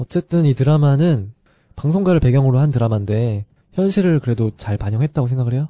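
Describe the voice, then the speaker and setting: Dry and close with no echo, a man's medium-pitched, dark, mellow voice moves at a very fast pace with lively intonation. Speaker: podcast co-host. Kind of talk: casual chat. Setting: semi-basement recording room.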